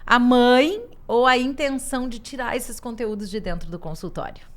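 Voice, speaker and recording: A woman's voice: on the high side, moderate pace. A woman from southern Brazil with a gaúcho accent, co-hosting a podcast in a chatty, playful way, often adding tag questions. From Rio Grande do Sul, southern Brazil. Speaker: podcast co-host. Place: glass-walled studio with a live audience.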